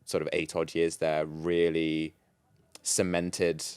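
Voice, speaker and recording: Low-voiced British man, dry close sound. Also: completely flat delivery, slow pace, darkish tone, smooth, dry recording. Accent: British English. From London, England. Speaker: podcast guest. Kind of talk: reflective casual chat.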